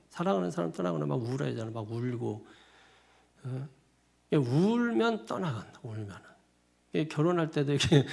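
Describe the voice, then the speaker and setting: A man's voice: medium pitch, gravelly, darkish tone. A male pastor giving a sermon in a loose, conversational manner, often repeating himself and laughing at his own asides. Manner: colloquial, repetitive, chuckling asides.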